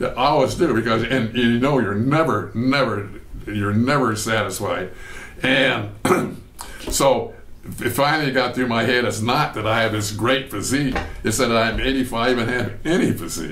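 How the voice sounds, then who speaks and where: A man's medium-pitched voice at a moderate pace with ordinary pitch variation, amid noticeable background noise and audible room echo. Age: 80s+. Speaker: bodybuilder. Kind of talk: interview. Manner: halting, many repeated words.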